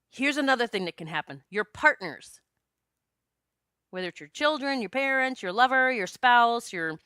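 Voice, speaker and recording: A woman in her late forties hosting a solo podcast, talking in a chatty, expressive way and joking with her listeners. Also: medium pitch, clean tone, no room sound. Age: 40s. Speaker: podcast host and psychic medium.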